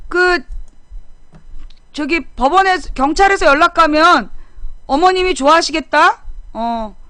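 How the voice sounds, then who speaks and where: A woman's voice: high-pitched, pushed and bright, no room sound. A woman hosting a casual political live-stream, talking bluntly and sarcastically as she scolds commenters. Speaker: political talk show streamer.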